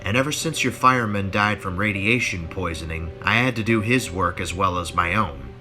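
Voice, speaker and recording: Man doing a brisk, reassuring engine driver; bright tone. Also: low voice, faint music behind. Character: loyal male train driver, steady and reassuring.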